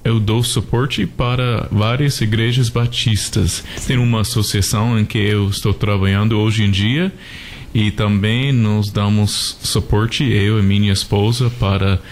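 A man from North America, a native English speaker with an American accent, answering haltingly as an interview guest. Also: on the low side, fairly even intonation, a little hiss or hum. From North America, United States. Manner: halting, searching for words. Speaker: guest, missionary.

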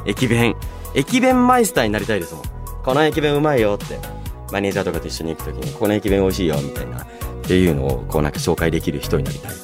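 A man hosting a radio show, chatting and reading listener mail in a polite, expressive manner. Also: sits low, fast talker. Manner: polite, expressive, often breaking into laughter. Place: radio studio. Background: background music.

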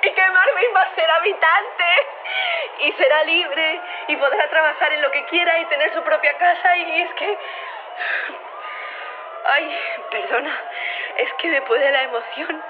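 A woman's voice: extremely high pitch, very animated, measured pace, pauses often, crowd noise, heavily acted. A woman playing an overjoyed, emotional interviewee in an audio drama, gushing and repeating herself. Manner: gushing, breathless repetition. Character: emotional, overjoyed young woman celebrating a vote. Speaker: interviewee on a news bulletin. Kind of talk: audio drama news call. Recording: tinny phone line with noisy background.

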